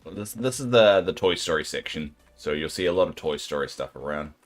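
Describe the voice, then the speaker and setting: A man with a New Zealand accent and a very deep, soothing voice chats with his stream viewers while he plays. His pitch moves about a lot, and his rambling talk is sympathetic and self-deprecating. Faint game music plays behind him. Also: animated, fairly quick. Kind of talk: casual chat with viewers while gaming.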